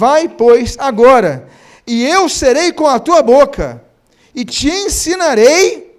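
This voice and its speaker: This is a man's voice. His intonation is lively. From Rio de Janeiro, Brazil. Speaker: pastor. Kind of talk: sermon.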